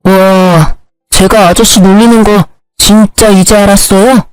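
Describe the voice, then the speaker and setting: A woman's voice: medium pitch, steady tone, measured pace, clear, resonant tone, no room sound, faint music behind, lightly acted, rough recording. Brief: woman voicing a clever young son, cold and mockingly polite, dry audio story.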